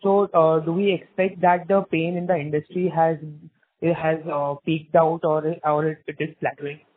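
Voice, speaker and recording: A man's voice: a little high, little pitch movement, normal speed. A man on a conference call asks questions over the phone, politely calling the others sir. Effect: heard over the phone. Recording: tinny dry phone line.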